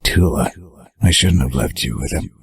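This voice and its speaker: A man playing a stubborn, grieving superhero full of bitter regret, with a husky, gravelly voice, in an amateur audio drama. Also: rumbling low, expressive, normal speed, no echo, studio quality, full character voice. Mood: regretful, mournful.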